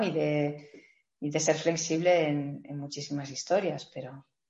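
A woman speaks at a moderate pace in a very deep, low voice. Audible room echo surrounds her. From Spain, Barcelona and rural Teruel. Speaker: doctor and aid worker, author. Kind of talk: casual interview chat. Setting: video call.

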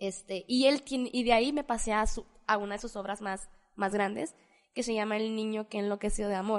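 A woman with an ordinary speaking voice talks at a moderate pace in a fairly high pitch. Her intonation stays fairly even. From northern Mexico, Ciudad Juárez. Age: 20s. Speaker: actress and theatre teacher. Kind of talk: casual interview.

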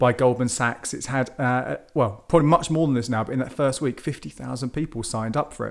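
In a British accent, a man talks at a fairly quick pace and a medium pitch, recorded very cleanly over a silent background. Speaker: podcast host, personal finance blogger. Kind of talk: solo podcast monologue, informal explainer. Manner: fast talker; casual, conversational with filler words.

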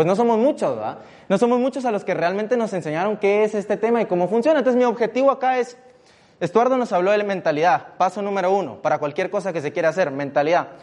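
A man's high-pitched voice, animated in tone, with lively intonation and a very fast pace. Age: 20s. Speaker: entrepreneur. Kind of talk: motivational talk. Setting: stage with audience.

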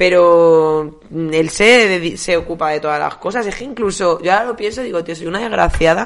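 In an ordinary speaking voice, a woman with fairly low pitch and ordinary pitch variation talks at a moderate pace with hardly any pauses. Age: 30s. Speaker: comedian. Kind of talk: casual chat.

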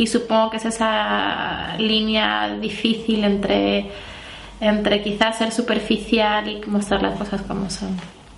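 Amid noticeable background noise and audible room echo, a woman with a fairly high pitch speaks very slowly in a monotone, flat intonation. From Madrid, Spain. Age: 30s. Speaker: consultant. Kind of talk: interview answers.

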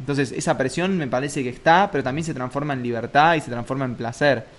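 A man with a Rioplatense accent talks at a fairly quick pace. His pitch is medium and his intonation fairly even. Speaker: comedian. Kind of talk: casual chat.

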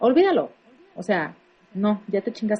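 Somewhat breathy, a woman's fairly high voice has a dark, mellow tone at a moderate pace. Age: 30s. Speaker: radio show co-host. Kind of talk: casual chat.

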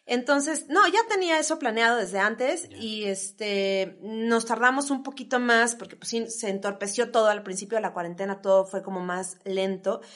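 At a moderate pace and fairly high pitch, a woman speaks in an ordinary speaking voice with ordinary pitch variation and hardly any pauses. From Mexico City, south (Tlalpan). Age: 40s. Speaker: rapper. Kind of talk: casual interview chat.

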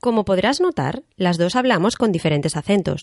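A woman with a Madrid accent speaks at a moderate pace with lively intonation, in a dry, close sound with no echo. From Spain, Madrid. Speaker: podcast host, Spanish teacher. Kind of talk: interview.

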